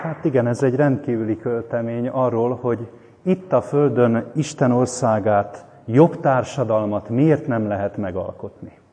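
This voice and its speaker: A man's voice: medium pitch, warm tone, a little hiss or hum. A male preacher giving an earnest, explanatory sermon commentary. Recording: long hall reverb.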